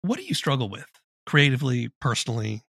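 Husky-voiced man interviewing conversationally. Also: medium pitch, very animated, fast, fairly bright tone, no room sound, studio quality. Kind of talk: conversational interview, giving story analysis.

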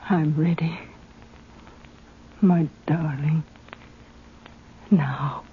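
An actress playing a frightened, devoted young woman in love, with halting, breathy delivery in 1950s radio melodrama style. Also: low voice, steady tone. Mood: frightened, tender. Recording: hissy phone-like 1950s radio recording.

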